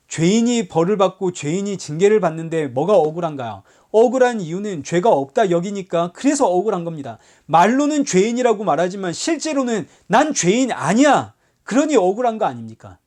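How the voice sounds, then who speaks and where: Male pastor, sermon delivery; higher voice, passionate, alternates raised and quiet passages. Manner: impassioned preaching, rhetorical questions, swings between loud and hushed.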